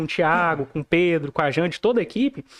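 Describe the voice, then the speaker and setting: A man talks at a fairly quick pace with fairly high pitch in a plain, everyday voice. The sound is dry and close, with no echo. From Brazil, Goiás (Anápolis). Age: 20s. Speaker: marketing specialist. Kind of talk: podcast interview.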